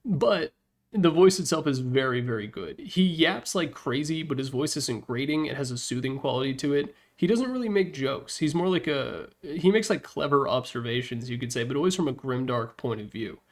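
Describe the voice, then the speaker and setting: At a moderate pace and medium pitch, a man narrates a ranking video built as a tier list slideshow. He keeps it informal and opinionated, tossing in mild profanity and wry asides.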